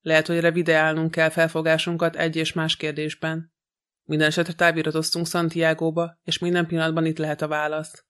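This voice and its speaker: A man reading a detective novel aloud as an audiobook narrator, in a measured, even way. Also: smooth. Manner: even, measured reading with little pitch movement.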